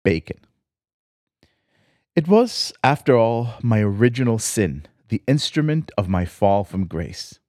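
A man's voice: mid-range voice, very animated, measured pace, few pauses, darkish tone, no room sound, studio quality. A man from Israel, the host, reading a reflective personal essay in a wry, lyrical storytelling manner. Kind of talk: scripted personal essay narration.

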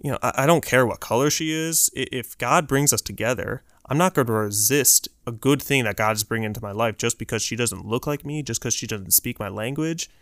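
A man's voice: mid-range voice, fairly quick, few pauses, fairly bright tone, dry recording, studio quality. Earnest, preachy young man. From United States. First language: Urdu. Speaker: podcast co-host. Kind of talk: faith podcast conversation.

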